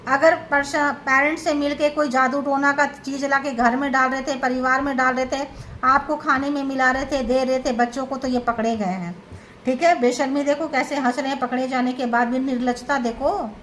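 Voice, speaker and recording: A woman with a high voice reads tarot cards for her viewers. She talks dramatically and repeats herself, addressing the listener directly. A faint hum of noise sits behind her. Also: fairly bright tone. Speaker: tarot reader. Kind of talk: tarot reading to camera.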